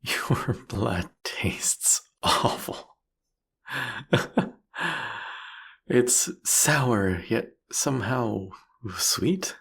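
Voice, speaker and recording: A man's voice: animated, drawn-out words, long pauses, fairly bright tone, heavily acted. A man playing a seductive, possessive vampire king in an intimate audio roleplay, with a taunting, menacing, whispery delivery. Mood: savoring, pleased. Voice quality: husky, breathy, gravelly low voice.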